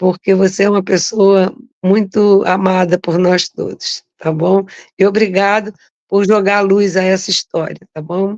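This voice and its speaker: A woman speaks at a fairly slow pace and a medium pitch in a monotone, flat intonation, with a dry, close sound and no echo. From Brazil, Rio de Janeiro. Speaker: lawyer and human rights activist. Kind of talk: testimony.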